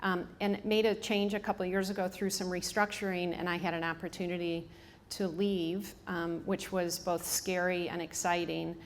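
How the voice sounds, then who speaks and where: A woman's voice: lowish voice, flat delivery, moderate pace, slight background noise. A woman in her fifties with a strong Michigan accent, giving a casual public talk to an audience with many ums and restarts. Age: 50s. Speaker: hospice staff speaker. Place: room with a live audience.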